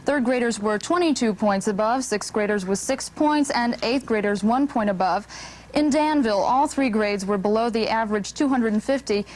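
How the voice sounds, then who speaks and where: A woman with an American accent reading a scripted local newscast in a measured, formal anchor's delivery. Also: a little high, low-quality recording. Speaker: TV news anchor. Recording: old TV broadcast with background noise.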